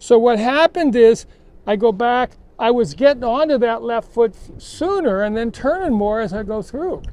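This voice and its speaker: A man's extremely high, lively voice at a moderate pace with a dry sound and no echo. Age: 70s. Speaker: golf coach. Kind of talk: tutorial. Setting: outdoors. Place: open country.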